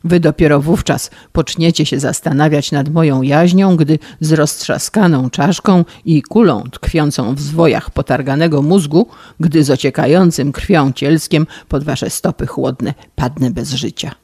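A woman's voice: low-pitched, unhurried, warm tone, husky, no room sound, clean studio sound. A woman voicing a gloomy, melodramatic young man who speaks in a sullen, brooding way in an audiobook reading.

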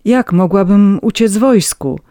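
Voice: medium pitch, a little slow, warm tone, no echo, studio quality, pitched above the performer's own voice, lightly acted. A reader voicing an exhausted young pregnant peasant woman who pleads timidly, in an audiobook reading. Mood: pleading.

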